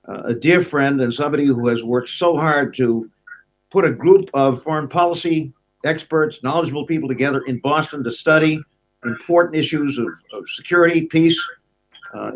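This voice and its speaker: An older man from the United States speaks over a video call, presenting an award in formal remarks. He talks in a measured, unhurried way, pausing between phrases, at an ordinary mid pitch. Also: rough recording.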